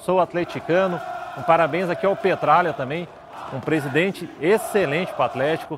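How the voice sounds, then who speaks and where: Against noticeable background noise, a man talks at a fairly quick pace in a high voice with ordinary pitch variation. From Curitiba, southern Brazil. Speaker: football show host. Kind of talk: casual football talk show.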